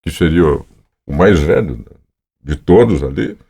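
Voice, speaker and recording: A man's voice: sits low, animated, unhurried, creaky, warm tone, slightly rough. A Brazilian man in his seventies, a voice-over artist, telling long casual stories in an interview. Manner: rambling, anecdotal, with frequent fillers.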